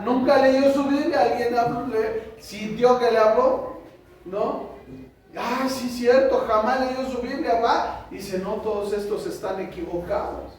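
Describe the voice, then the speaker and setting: Mexican pastor, very high voice, animated sermon, acted-out dialogues, echoey church hall, distant mic. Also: male voice, slight background noise. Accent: Mexican Spanish. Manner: animated preaching, acts out dialogues with shifting voices. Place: church sanctuary.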